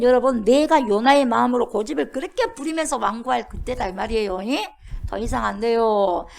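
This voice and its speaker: High-voiced woman pastor preaching. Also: vocal fry. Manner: questioning the congregation, dramatic quoted exclamations. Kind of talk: sermon.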